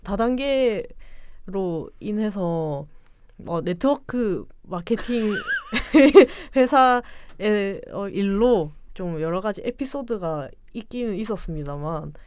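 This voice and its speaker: A woman's voice: medium pitch, animated, takes it slowly, a little mellow, smooth, dry recording. Rambling, giggly Korean woman with regional accent. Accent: Korean regional dialect. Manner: rambling, giggly, self-deprecating. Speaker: podcast guest. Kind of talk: casual conversational storytelling.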